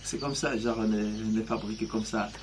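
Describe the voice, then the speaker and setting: Halting man in his thirties. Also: lowish voice, fairly even intonation, noisy background. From Côte d'Ivoire. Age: 30s. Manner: hesitant, halting, many restarts. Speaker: interviewee. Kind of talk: personal testimony.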